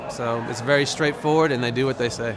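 A man, with an American accent and a medium-pitched voice, is heard through noticeable background noise. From Oklahoma. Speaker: workshop attendee, business owner. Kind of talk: testimonial.

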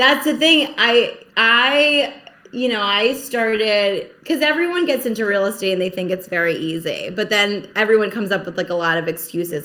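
A woman with a fairly high pitch and lively intonation, an unremarkable speaking voice with an American accent. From New Jersey. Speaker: realtor. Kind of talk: casual chat.

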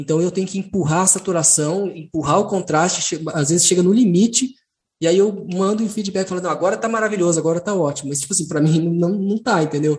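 A man talks at a very fast pace with a high pitch. His pitch variation is ordinary. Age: 40s. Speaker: digital artist and game illustrator. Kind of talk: interview. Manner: halting.

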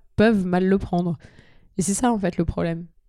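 Her tone is dark and mellow, set at a medium pitch for a woman. She talks at a fairly quick pace with fairly even intonation. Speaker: podcast co-host. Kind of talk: casual chat. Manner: effortful, cracking voice.

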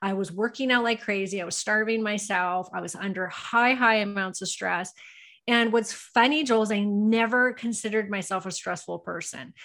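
This woman has a plain, everyday voice at a medium pitch, with ordinary pitch variation and a Canadian accent. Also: moderate pace, very clean recording, silent background. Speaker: hormone specialist and nutrition coach. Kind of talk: interview.

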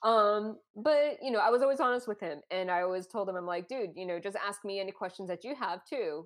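Here is an ordinary speaking voice with an American accent. The pace is fairly quick. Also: woman, medium pitch for a woman, lively intonation, hardly any pauses. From North Carolina. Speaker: breast cancer survivor and guest co-host. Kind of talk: casual chat.

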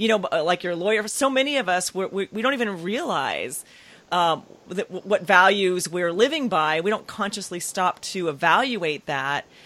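At a moderate pace and medium pitch, a woman speaks with lively intonation in a warm, enthusiastic tone that is also bright and sharp. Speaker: podcast host. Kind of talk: interview.

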